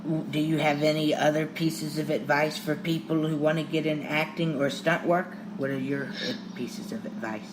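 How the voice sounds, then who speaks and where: A man's voice: fairly high pitch, steady tone, normal speed, few pauses, noisy background. A man from Louisiana with a strong Southern accent, hosting an interview in a friendly way and often agreeing. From Louisiana, United States. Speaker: podcast host. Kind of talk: podcast interview.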